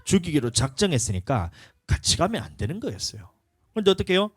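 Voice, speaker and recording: Animated male pastor preaching. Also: fairly high pitch, quick pace, breathy edge, dry recording, studio quality. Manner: animated storytelling, acts out dialogue in different voices. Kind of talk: sermon.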